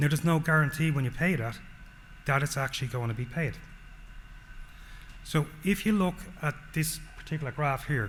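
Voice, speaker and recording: A man with an Irish accent and a fairly high pitch talks at a fairly quick pace with ordinary pitch variation. He leaves long pauses often. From Ireland. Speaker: solutions engineer. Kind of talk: presentation.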